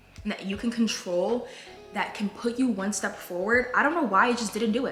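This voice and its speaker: Over background music, a woman with an American accent talks at a fairly quick pace in a fairly high voice with ordinary pitch variation. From Queens, New York. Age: 20s. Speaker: lifestyle vlogger. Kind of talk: casual talk to camera.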